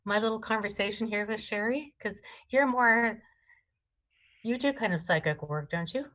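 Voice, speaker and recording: A woman's voice: medium pitch, moderate pace, a bit bright. Chatty woman astrologer hosting calls. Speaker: astrologer and co-host. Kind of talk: live call-in readings.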